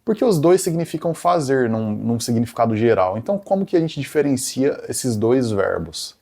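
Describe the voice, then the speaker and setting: Brazilian guy teaching english grammar, gravelly voice, goes slow on the english examples. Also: mid-range voice, big pitch swings, darkish tone. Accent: Brazilian Portuguese. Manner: slows down to spell out English example sentences; checks in with the viewer after each point. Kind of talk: grammar lesson explained in Portuguese.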